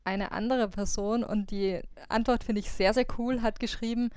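A woman hosts a relaxed podcast conversation and reads out survey replies. Her voice is smooth and clear and sits slightly high. The recording is dry and close. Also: normal speed, dry recording. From Austria. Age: 20s. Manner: reads out listener survey answers. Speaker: podcast host. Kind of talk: casual podcast chat.

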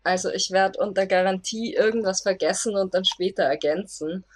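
A woman's voice: mid-range voice, normal speed. A person in their twenties from Austria with a woman-sounding voice, hosting a podcast in a friendly, slightly hesitant way. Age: 20s. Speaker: podcast host. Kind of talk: casual podcast chat.

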